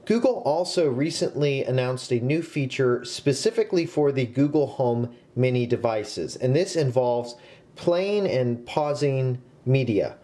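A young man in his twenties narrating a scripted tech review with a clear, instructional delivery. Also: medium pitch, expressive, a little slow, mellow. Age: 20s. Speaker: tech reviewer, video host.

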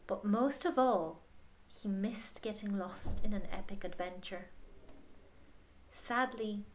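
Slow, deliberate woman reading a storybook. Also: medium pitch, a little hiss or hum, poor audio. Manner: addresses young listeners directly. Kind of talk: expressive children's storybook narration.

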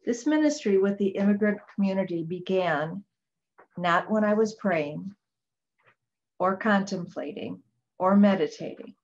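An older Catholic sister from Chicago reading prepared remarks in a calm, measured way on a video call from a small office. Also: female voice, mid-range voice, lo-fi sound. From Chicago, Illinois. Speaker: Catholic sister, literacy center founder. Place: small home office with bookshelves. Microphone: webcam on a video call.

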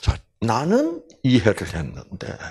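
An older man lecturing on the Bible speaks slowly and without hurry in a husky voice whose pitch swoops about lively. He's animated, full of fillers and acted-out quotes.

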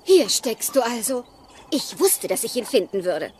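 An anxious robot mother in an animated children's story. She is bossy and insistent, her very high voice leaping about in pitch. There is faint ambient noise behind her. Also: a little slow. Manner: insistent, exclaiming. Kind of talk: children's animated film dialogue.

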